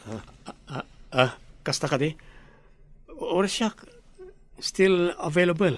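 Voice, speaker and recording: A man's voice: on the high side, takes it slowly, no room sound. A man voicing an easygoing young man who works far from home, in a radio drama.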